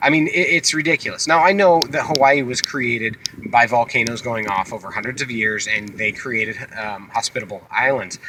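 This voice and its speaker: A man with an American accent, medium pitch and lively intonation at a fairly quick pace, over noticeable background noise. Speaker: vlogger. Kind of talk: rant. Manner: fast; animated.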